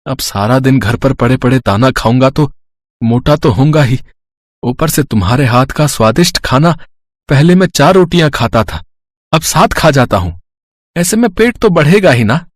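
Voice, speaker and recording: A man's voice: mid-range voice, animated, moderate pace, no room sound, clean studio sound, lightly acted. A man playing a simple, caring farmer husband in a moral story cartoon, earnest and plain-spoken. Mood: weary, grumbling.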